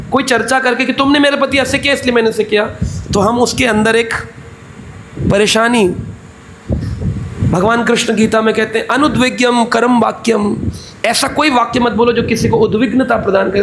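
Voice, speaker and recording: A man's voice: very high voice, background noise. A man preaching a scripture discourse in a temple, telling the story and acting out its dialogue, and posing questions he answers himself. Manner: asks the audience questions and answers them. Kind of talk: Bhagavatam discourse sermon. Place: temple hall.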